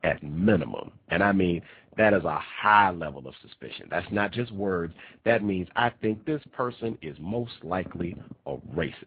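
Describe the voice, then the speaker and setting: A man's voice: deep voice, expressive, normal speed, slightly rough, no echo. A man hosting a talk radio show, congested and nasal from a cold, delivering an emphatic monologue and repeating key phrases. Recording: tinny phone-line quality.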